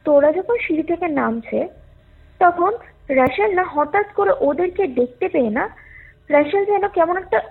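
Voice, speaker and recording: A woman telling a story conversationally over a call, with hesitant, drawn-out and repetitive phrasing. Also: sits high. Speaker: caller telling a ghost story. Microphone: phone call. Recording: muffled lo-fi call with music underneath. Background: music.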